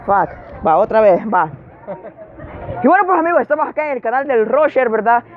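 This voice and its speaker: Loud high-voiced young prankster. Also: male voice, very animated, a little fast, a little hiss or hum. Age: young adult. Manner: loud, exasperated, swearing. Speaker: prank youtuber. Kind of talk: street prank comedy. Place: outdoor town plaza. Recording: tinny lo-fi audio, music and crowd behind.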